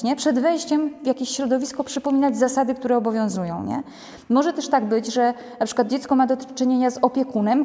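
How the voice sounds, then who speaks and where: Lively woman lecturing in a reverberant hall. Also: high voice. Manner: conversational, ends many sentences with a checking "nie?"; animated, acts out quotes. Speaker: lecturer on child behavior. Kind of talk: lecture to a group.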